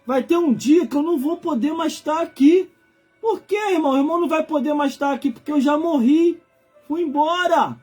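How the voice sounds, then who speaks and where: High-pitched Brazilian preacher, emphatic. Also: male voice, a little fast, a little mellow, faint music behind. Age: 40s. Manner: emphatic, colloquial, repeats phrases for effect. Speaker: preacher hosting a livestream. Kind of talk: informal live sermon.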